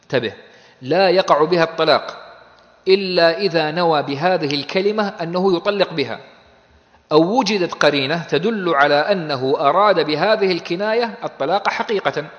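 A man's voice: on the high side, brisk. A man teaching a law text in a classroom lecture. He asks questions, answers them himself, and explains in plain conversational terms. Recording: dull audio with long hall reverb.

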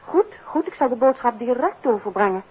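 An actress playing a detective's curious, teasing wife in a 1950s Dutch radio play, with a Netherlands accent. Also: female voice, a little high, animated, fairly quick, breathy edge. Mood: concerned, curious. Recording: tinny, noisy 1950s radio recording.

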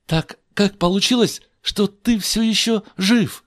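A man's voice: high-pitched, measured pace, no echo, studio quality, voice pushed up. A man voicing a startled, timid woman asking questions in a storybook reading. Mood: questioning.

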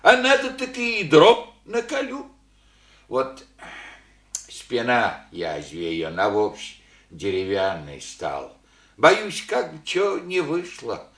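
Old village dad rambling slow in rustic talk, pitch jumping all over, roomy old radio play sound. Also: male voice, wildly swooping pitch, fairly bright tone, full character voice. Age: older. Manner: halting rustic village speech, full of fillers. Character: elderly widowed village father, humble and rambling. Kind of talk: archival Soviet radio play acting.

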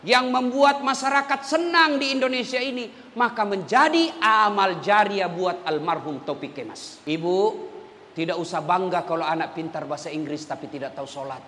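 High-pitched man preaching in an echoey hall. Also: moderate pace, bright, forceful tone, slight background noise. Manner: emphatic, with repeated oaths and acted dialogues. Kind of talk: sermon.

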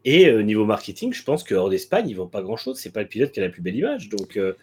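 A man with a slightly low, husky voice co-hosts a casual motorsport chat. He gives frank, blunt opinions and often stalls on fillers before going on. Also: big pitch swings, fast, a little mellow. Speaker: motorsport podcast co-host.

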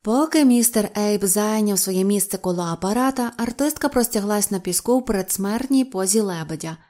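A woman narrating an audiobook with an even, expressive reading. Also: medium pitch, brisk. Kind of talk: storybook narration.

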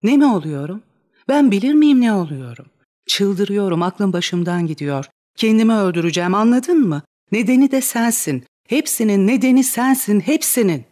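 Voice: mid-range voice, lively intonation, moderate pace, a little mellow, close to an everyday voice. Reader doing a young woman, lovesick, desperate, pleading, crying out, stage-play reading. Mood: frantic. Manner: pleading, crying out in rising outbursts.

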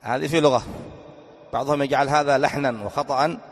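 A man's voice: medium pitch, fairly even intonation, fairly quick. Man teaching grammar in a reverberant hall. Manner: repeats points, quizzes students with questions. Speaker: sheikh teaching Arabic grammar. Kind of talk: classroom grammar lesson.

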